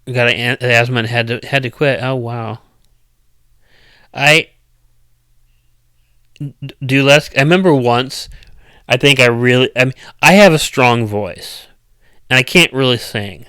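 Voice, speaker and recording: A man talks loosely to his viewers in a loud, strong voice that jumps in volume and keeps restarting its sentences. His tone is smooth and resonant at an ordinary pitch for a man. The sound is close and dry, with no room behind it. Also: a little slow, long pauses, dry recording. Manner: rambling, loud, uneven cadence, many restarts. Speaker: streamer chatting with viewers. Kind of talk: casual live chat.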